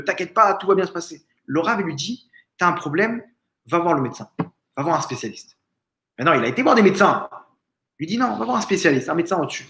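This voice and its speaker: Man telling a story, echoey room. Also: sits high. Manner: animated storytelling, acting out quoted speakers. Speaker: rabbi. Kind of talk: Torah lesson told as a story. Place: family home.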